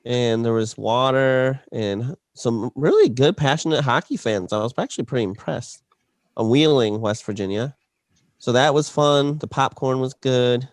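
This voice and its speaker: Male podcast co-host, mid pitch, loose rambling delivery, dry close mic. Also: normal speed, dry recording. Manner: rambling storyteller, many fillers and restarts. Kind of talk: casual chat.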